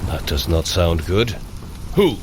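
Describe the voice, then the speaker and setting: Male, unhurried and animated, as a blunt, simple, good-hearted warrior god in audio drama; very noisy background. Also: sits low, heavily acted. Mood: puzzled, helpful. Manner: blunt, plain-spoken, halting when explaining. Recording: loud ambient effects noise behind.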